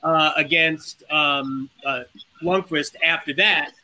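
An eager male podcast host with a high, bright voice. He talks with plenty of fillers and false starts as he sets up his questions. His tone is sharp and forward. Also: steady tone, slow pace, poor audio. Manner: eager, chatty, lots of fillers. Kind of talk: casual podcast conversation.

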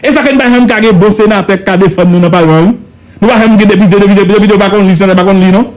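A man with a Haitian accent holds forth on a radio talk show, his voice pitched strikingly high. He hammers each point with repetition and rhetorical questions, giving fervent political commentary. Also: very fast. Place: radio studio.

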